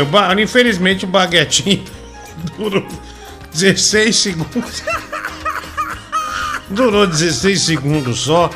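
A man hosting a call-in comedy show, teasing and laughing as he cuts callers off. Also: fairly high pitch. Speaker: radio comedy host.

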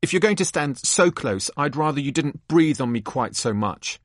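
A man's voice: on the high side, animated, moderate pace, no room sound, clean studio sound, voice pushed up. A man voicing a prickly young schoolgirl from a storybook, snippy and indignant.

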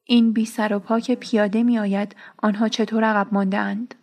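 A woman's voice: mid-range voice, little pitch movement, darkish tone, close to an everyday voice. A woman reading the lines of a proud old tribal father in his grief, pleading and anguished. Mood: anxious.

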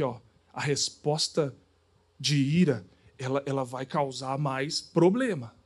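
Casting note: male preacher, high voice, animated sermon delivery. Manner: animated, acts out dialogues.

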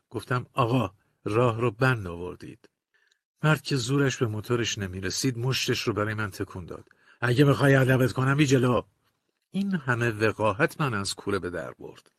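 A man narrating a first-person audiobook in a measured, confessional, colloquial manner, recorded close to a studio mic. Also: lowish voice, fairly bright tone, dry recording.

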